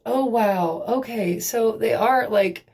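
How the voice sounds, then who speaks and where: In a casual beauty vlog, a young woman with a fairly high, darkish voice takes her time as she rambles to the camera. Nervous giggling and frequent swearing run through her talk.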